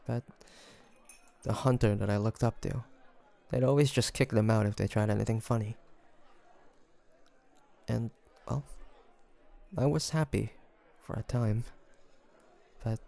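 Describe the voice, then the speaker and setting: A man playing a guarded young demon hunter in an intimate audio roleplay, hesitant and confiding, with a softer side showing through. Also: fairly low pitch, measured pace, creaky, pauses often. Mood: wistful, confiding.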